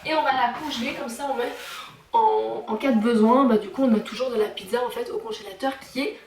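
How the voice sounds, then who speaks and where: A woman talking casually through a haul vlog at home, chatty and halting with many fillers. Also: on the high side, roomy sound, crowd noise. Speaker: vlogger. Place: home kitchen and garage.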